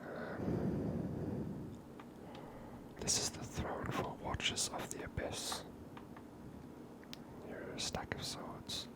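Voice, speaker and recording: An ASMR host comments on a video game entirely in a whisper. The delivery is gentle and unhurried, close on the microphone. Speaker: ASMR gamer, channel host.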